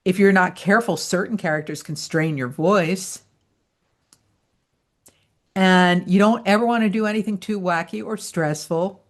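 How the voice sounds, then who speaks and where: A woman's voice: lowish voice, a little slow, pauses often. A woman coaching voice actors in an online training session, talking in a chatty, explanatory way and laughing easily. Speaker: voice-over coach.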